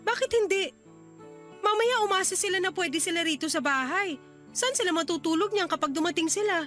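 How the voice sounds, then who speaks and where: A woman's voice: extremely high pitch, a little fast, fairly bright tone, faint music behind. A woman playing a young wife in a radio drama, heated and scolding. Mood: angry. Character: angry young wife, sharp and confrontational.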